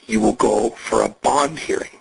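A man on a recorded jail payphone call, coaching and reassuring the caller in a profane, steady way. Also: fairly low pitch, moderate pace, gravelly, breathy edge, dry recording, rough recording. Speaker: agent on a phone call.

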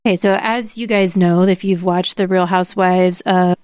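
A woman's voice: on the low side, fairly even intonation, moderate pace, darkish tone, clean tone, no room sound. American woman reading documents aloud, dry sound. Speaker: podcast co-host. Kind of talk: dramatic reading of documents and explanatory commentary.

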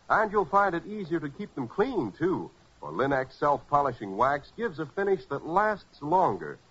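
A man's voice: fairly high pitch, fairly bright tone, breathy edge. A man with an American accent announcing in polished, emphatic 1940s radio advertising style. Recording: muffled 1940s radio recording.

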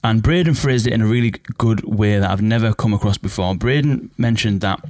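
A man hosts his podcast alone, his voice croaky and rough from a cold, sitting a little low in pitch. He talks loosely and conversationally, with fillers and restarts as he thinks aloud. The sound is dry and close, with no room echo. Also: fairly quick, darkish tone. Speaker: podcast host. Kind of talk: solo podcast monologue.

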